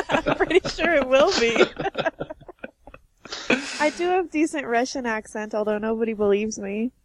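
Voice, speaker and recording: A woman's voice: sits high, a little slow, pauses often, a little hiss or hum. A woman co-hosting a casual podcast, giggly and self-deprecating. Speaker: podcast co-host.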